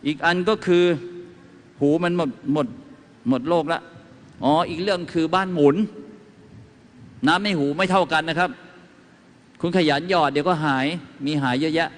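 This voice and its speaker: A man with a slightly high voice gives a folksy, chatty talk on home remedies to a live audience, speaking at normal speed and pausing often. He tells anecdotes and throws questions to the crowd, and the hall is reverberant.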